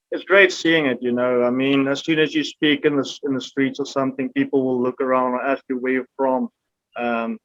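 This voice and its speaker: A young South African man whose first language is Afrikaans, a rugby player chatting in an interview, relaxed and hesitant with many fillers. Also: medium pitch, lo-fi sound. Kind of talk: casual interview chat.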